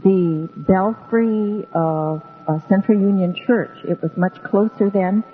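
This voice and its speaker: Woman, meandering storyteller, phone-like narrow sound, long echoing reverb. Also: mid-range voice. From Hawaii. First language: Hawaiian. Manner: unhurried, meandering with many ums. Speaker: guest storyteller. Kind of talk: relaxed radio interview storytelling. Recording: tinny phone-like radio with long reverb and faint music.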